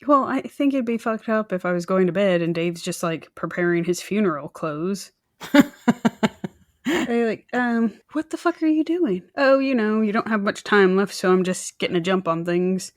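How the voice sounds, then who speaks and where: A woman's voice: medium pitch, expressive, moderate pace, no room sound. Casual woman podcaster, close dry sound. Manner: informal, colloquial, joking asides and mimicked quotes. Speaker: true crime podcast co-host. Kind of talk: casual conversational storytelling.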